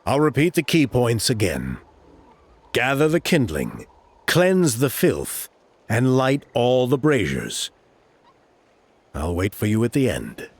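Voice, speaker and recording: A man's voice: medium pitch, huge pitch swings, slow, long pauses, slight background noise. A man voicing a composed tribal guide in a video game, patiently explaining the steps of a sacred rite. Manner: patient, explanatory, with a wry chuckle. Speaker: ceremony guide.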